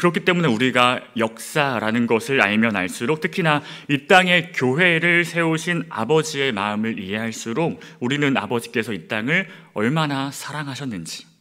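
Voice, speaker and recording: An unremarkable speaking voice moves at a moderate pace. The intonation is lively. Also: man, fairly high pitch for a man. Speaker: pastor. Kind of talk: sermon.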